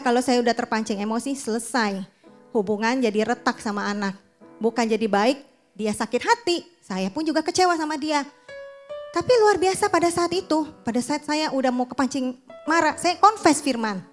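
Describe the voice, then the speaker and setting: A middle-aged woman pastor, telling a chatty personal testimony in her sermon and acting out what people said. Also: on the high side. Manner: chatty storytelling, acts out dialogue.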